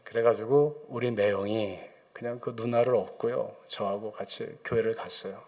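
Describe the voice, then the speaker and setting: A man's voice: lowish voice, fairly even intonation, normal speed, darkish tone. A middle-aged man preaching in church, telling a personal story vividly and acting out the voices of the people in it, with English phrases mixed in. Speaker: preacher, Old Testament professor. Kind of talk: sermon storytelling. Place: church sanctuary.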